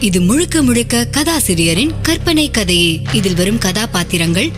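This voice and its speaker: A woman's voice: medium pitch, sing-song, normal speed, music in the background. A woman reading a formal scripted radio announcement.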